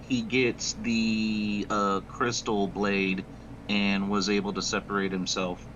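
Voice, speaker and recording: A man's voice: fairly low pitch, flat delivery, slow pace, a bit bright. A talkative, wry man chatting casually as a player on an online call. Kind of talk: casual chat over a voice call. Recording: muffled lo-fi online call with noise.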